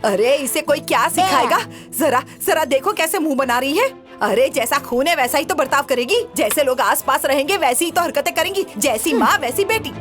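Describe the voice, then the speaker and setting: A woman's voice: high voice, expressive, normal speed, hardly any pauses, a bit bright. An actress playing a quarrelsome old mother-in-law in a comic film scene, wailing and scolding dramatically. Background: background music.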